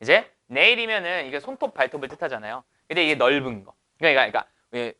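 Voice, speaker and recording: Lively, bright-voiced male teacher. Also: mid-range voice, quick pace. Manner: asks rhetorical questions and answers them. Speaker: English teacher. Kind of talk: lecture explaining exam passages.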